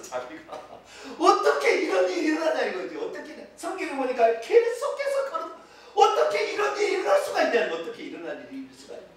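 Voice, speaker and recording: Animated preaching man in an echoey hall. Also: extremely high pitch. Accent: Korean regional dialect. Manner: animated preaching with sudden loud exclamations and drops to near-whispers. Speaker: pastor. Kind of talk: sermon. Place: church sanctuary. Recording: echoey church sanctuary, from far off.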